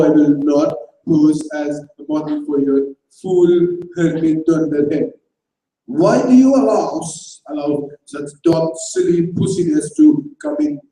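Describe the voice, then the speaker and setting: A man acts out a fierce, gin-soaked old painter who scoffs at softness. He talks slowly and gruffly, his pitch pushed high. The sound is a distant reading in a big echoing hall with faint room noise. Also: very animated. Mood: scornful. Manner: slow, gruff, shouting contempt. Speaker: actor in a staged reading. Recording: echoey hall from far off.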